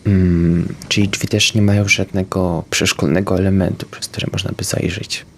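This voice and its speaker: Low-voiced calm male player. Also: moderate pace, slight background noise. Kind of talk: describing his character's actions.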